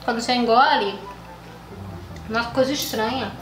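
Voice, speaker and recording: A woman with a high voice talks while chewing, her words muffled by food. She chats casually and directly to her viewers as a vlogger. The room sounds echoey, and music plays clearly behind her. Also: moderate pace. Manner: chatty, talks straight to viewers. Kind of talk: casual food-tasting vlog.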